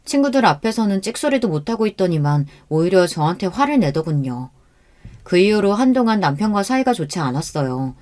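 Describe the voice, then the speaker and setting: A woman reads a first-person life story as scripted narration. Her telling is steady and earnest, in the manner of a radio story reading. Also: mid-range voice, fairly quick.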